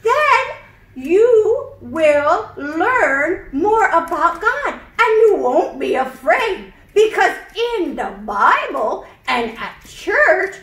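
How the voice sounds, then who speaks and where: A woman voicing a kindly, excitable teacher puppet in a children's church show, explaining things simply and emphatically with exaggerated cheer. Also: very high voice, extremely slow, heavily acted. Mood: gentle, instructive. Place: indoor church room, puppet stage. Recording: roomy, echoing church room.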